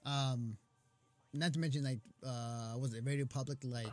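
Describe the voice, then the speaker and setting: A man's voice: mid-range voice, steady tone, moderate pace, a little mellow. A man chatting casually and encouragingly on a voice call, with plenty of filler words. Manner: upbeat, encouraging, lots of "like". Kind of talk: casual chat.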